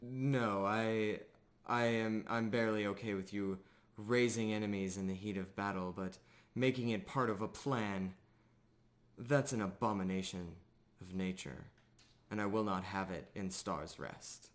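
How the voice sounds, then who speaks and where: Casting: man as strict woman commander for fantasy roleplay, firm and disapproving, formal orders, low unhurried voice. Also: steady tone, close to an everyday voice. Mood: stern, indignant. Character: stern, disapproving female military commander.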